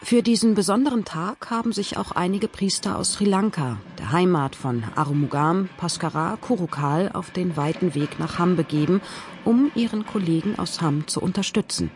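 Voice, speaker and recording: High-voiced male documentary narrator. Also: moderate pace, a little hiss or hum. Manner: clear, informative reading. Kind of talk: scripted narration.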